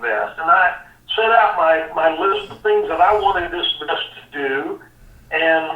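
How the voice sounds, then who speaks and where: A man with a Texan accent talks at a fairly slow pace with lively intonation. His pitch is high, and noticeable background noise can be heard. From South Texas. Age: 60s. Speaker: hunting gear entrepreneur. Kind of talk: podcast interview. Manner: halting, repetitive.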